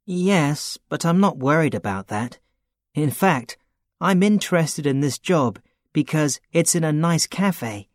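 A man playing a young man looking for a part-time job, talking in a plain, steady, matter-of-fact way in a scripted dialogue. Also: on the high side, measured pace, no room sound, clean studio sound. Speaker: student character in a listening test.

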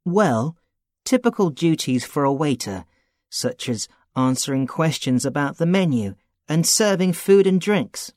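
A man playing a young man looking for a part-time job, talking in a plain, steady, matter-of-fact way in a scripted dialogue. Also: fairly high pitch, measured pace, dry recording, clean studio sound. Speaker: student character in a listening test.

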